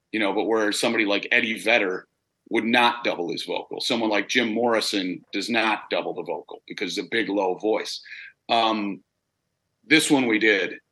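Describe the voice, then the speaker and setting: A rock singer answering interview questions in a relaxed, rambling way, with a big-sounding voice and plenty of fillers. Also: male voice, lowish voice, poor audio.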